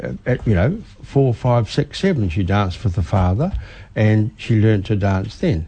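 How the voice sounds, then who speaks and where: A man with a New Zealand accent speaks at a fairly low pitch with lively intonation. His tone is dark, mellow and somewhat breathy. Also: moderate pace. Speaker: dance club president. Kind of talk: radio interview.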